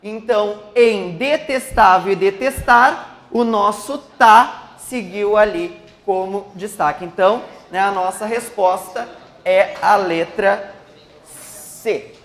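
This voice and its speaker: A woman's voice: medium pitch, slow, reverberant. A woman teaching Portuguese for a public exam, walking students through each question and asking them to answer. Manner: explains step by step, asks students questions. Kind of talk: exam-prep lesson.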